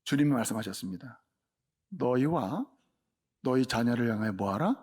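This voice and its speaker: A man preaching a sermon as a pastor, with emphatic delivery that swings between raised and hushed passages. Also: mid-range voice, animated, normal speed, husky.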